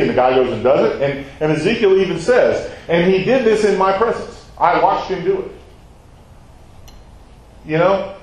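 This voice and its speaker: A man's voice: a little high, a little mellow, reverberant, rough recording. A man teaching a Bible study, talking in a conversational way and asking his listeners questions.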